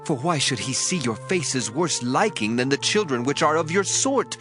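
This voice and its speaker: A man's voice: medium pitch, animated, moderate pace, fairly bright tone, faint music behind, lightly acted. A man playing a fearful royal court official in a dramatized scripture reading, formal and worried. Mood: anxious.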